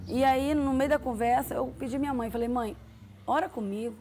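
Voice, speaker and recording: A woman's voice: high-pitched, fairly even intonation, a little fast, a little mellow. A woman vividly retelling a personal testimony, often quoting dialogue and asking "sabe?". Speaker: testimony giver. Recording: music underneath.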